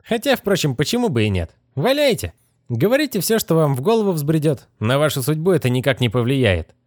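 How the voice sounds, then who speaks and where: A man's voice: a little high, big pitch swings, fairly quick, darkish tone, dry recording, studio quality, pitched above the performer's own voice. A man voicing a vain, cold young male magician in a haughty, condescending manner. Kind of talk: audiobook character reading.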